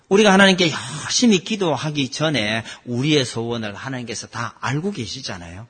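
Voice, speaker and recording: Husky-voiced pastor. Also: male voice, mid-range voice. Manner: animated, rhetorical questions, swings from loud to soft. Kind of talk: sermon. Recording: long hall reverb.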